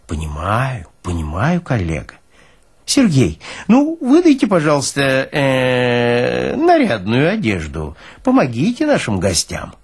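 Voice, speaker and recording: A man performs a gentle morgue director in a radio play. He is courteous and full of soothing sympathy, speaking softly in a husky voice that lilts up and down. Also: medium pitch, wildly swooping pitch, takes it slowly, full character voice. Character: soft, kindly, soothing male morgue director.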